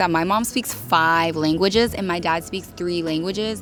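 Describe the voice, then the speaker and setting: Over background music, a woman with a West Coast American accent talks at a moderate pace in a fairly low pitch, with ordinary pitch variation. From Oakland, California. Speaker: vlogger. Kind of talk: personal vlog monologue. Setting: in public.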